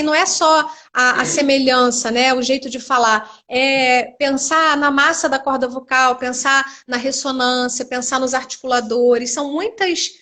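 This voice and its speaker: A woman's voice: high voice, pushed and bright. A middle-aged woman, a speech therapist, explaining voice topics with everyday examples over a video call. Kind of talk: explanatory live-stream chat.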